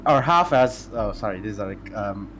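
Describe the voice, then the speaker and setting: A man's voice: lowish voice, lively intonation, moderate pace, fairly bright tone, soft background music. A man co-hosting a tabletop gaming podcast, reading out homebrew item rules with many fillers and self-corrections. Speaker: podcast co-host presenting homebrew. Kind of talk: casual chat and reading stat blocks.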